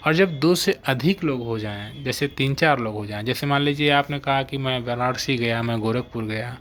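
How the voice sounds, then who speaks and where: Male teacher, live exam-prep lesson, mid-pitched voice, keeps checking students follow, faint noise under it. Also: a bit bright. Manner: explains step by step, keeps checking "ठीक है?". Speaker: English teacher.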